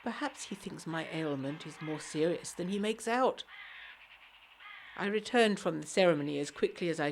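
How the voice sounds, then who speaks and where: A woman's voice: low-pitched, creaky. An actress playing a genteel, frail young Englishwoman of the 1920s, reading her letter aloud in a formal, earnest, articulate manner for a gothic period audio drama. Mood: uneasy.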